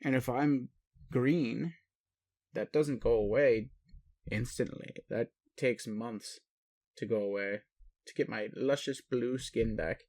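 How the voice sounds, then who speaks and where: A man playing a gentle, doting blue-skinned alien caretaker in a roleplay audio, rambling playfully and speaking tenderly to the listener. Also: medium pitch, slow. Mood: explaining, concerned. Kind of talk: soft roleplay monologue to a listener.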